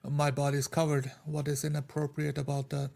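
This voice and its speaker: A man voicing a stoic, loyal adventurer in a tabletop game, with formal, spare, deliberate speech. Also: on the high side, monotone, gravelly, a little mellow. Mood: puzzled. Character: stoic, loyal, plain-spoken male adventurer.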